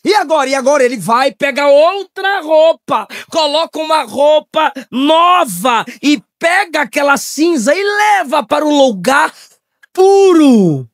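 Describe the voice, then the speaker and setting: A man from Brazil preaching a Pentecostal sermon, shouting in high bursts and then dropping to low, quiet tones. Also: animated, unhurried, dry recording, studio quality.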